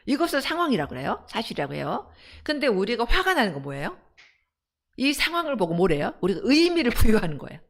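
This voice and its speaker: A middle-aged woman, a counseling center director, giving an animated parenting lecture and asking her audience rhetorical questions. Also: fairly high pitch, fast. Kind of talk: parenting lecture on a live broadcast.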